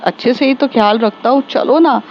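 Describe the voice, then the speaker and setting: A woman's voice: a little high, moderate pace, lo-fi sound, a little hiss or hum, natural voice. A woman voicing a pushy young man who keeps calling himself the boyfriend, talking in an insistent, coaxing way.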